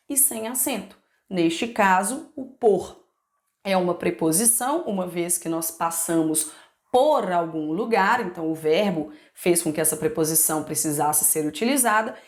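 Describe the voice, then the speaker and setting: A woman's voice: on the high side, echoey room. A Brazilian woman teaching an upbeat online exam-prep grammar lesson, often checking in with her viewers. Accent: Brazilian Portuguese.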